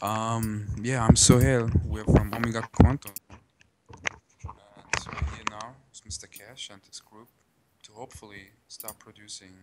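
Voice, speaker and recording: A man's voice: on the low side, little pitch movement, a little slow, background noise. A man who grew up in Germany, introducing himself to a room in a loose, friendly, conversational way. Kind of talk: casual spoken introduction.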